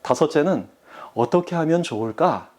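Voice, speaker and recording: Male pastor, slightly higher voice, earnest sermon delivery to a congregation. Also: expressive, normal speed, darkish tone. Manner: earnest, addresses the congregation directly.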